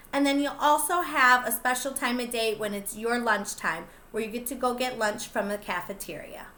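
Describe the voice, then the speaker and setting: A young woman pre-K teacher reading a picture book aloud to small children, slow and gentle, stopping to ask them questions. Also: high voice, reverberant. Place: classroom.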